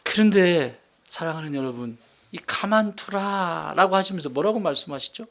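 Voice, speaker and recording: A middle-aged male pastor delivers a lively sermon in a high, gravelly voice that swings widely in pitch. He repeats his points for emphasis, moving from loud bursts down to hushed whispers. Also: normal speed. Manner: animated, repetitive, jumps between shouting and whispering.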